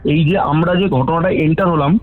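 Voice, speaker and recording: A man's voice: on the high side, moderate pace. Man recounting a story over a tinny phone line. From West Bengal, India. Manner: rambling, self-correcting, quotes others. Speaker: caller telling a ghost story. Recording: phone-line recording with faint music.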